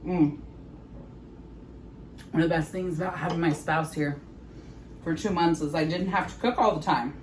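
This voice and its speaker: Chatty woman savoring food, lower voice. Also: normal speed, pauses often, a little hiss or hum, poor audio. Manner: chatty, savoring bites with frequent mm sounds. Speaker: home cooking vlogger. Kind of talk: casual chat while tasting food. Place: home kitchen.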